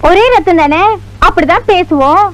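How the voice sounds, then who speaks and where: An actress playing the warden's young sister, teasing and playful in a film comedy. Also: female voice, very high-pitched, normal speed, rough recording.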